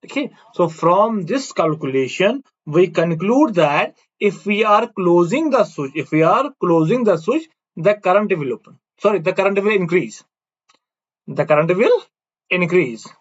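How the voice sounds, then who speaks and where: A man's voice: high voice, expressive, a little slow, lo-fi sound. A man with a South Asian accent giving a classroom physics lecture, explaining step by step, repeating himself and adding question tags. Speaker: physics teacher.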